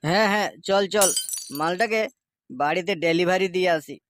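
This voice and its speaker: A woman's voice: fairly low pitch, normal speed, a little hiss or hum, lightly acted. A woman voicing a blunt, bickering, boozy middle-aged husband in a comic cartoon, full of slang. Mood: teasing. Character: grumbling pot-bellied boozy husband, middle-aged, teasing.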